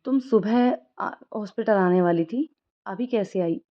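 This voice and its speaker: A woman reading the part of a young male doctor, a quietly heartbroken friend, asking gentle questions in a storybook narration. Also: medium pitch, measured pace, natural voice. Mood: probing. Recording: dull lo-fi recording.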